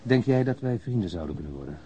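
A man's voice: lowish voice, big pitch swings, fast, mellow. An actor in a radio drama playing a subdued, guilt-ridden man who speaks hesitantly and with reserve. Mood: tentative. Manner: hesitant, reserved, brief replies. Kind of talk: naturalistic Dutch radio drama acting. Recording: dull, band-limited old radio recording.

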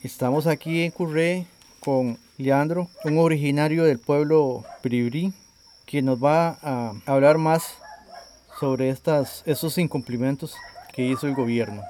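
A man working as a community radio reporter, reading a news report in a measured, deliberate way and interviewing a guest. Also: a little high, mellow, a little hiss or hum.

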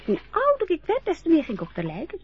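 An actress playing a chatty, eager young woman carer in a radio play, with a husky, breathy voice. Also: extremely high pitch, huge pitch swings, quick pace, full character voice. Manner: chatty, eager, a little bossy. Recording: dull lo-fi radio play recording.

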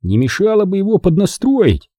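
A man's voice: high-pitched, huge pitch swings, moderate pace, dry recording, clean studio sound, pitched above the performer's own voice, full character voice. A man doing a cheerful brash boy. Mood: breezy. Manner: bright, jaunty, brash.

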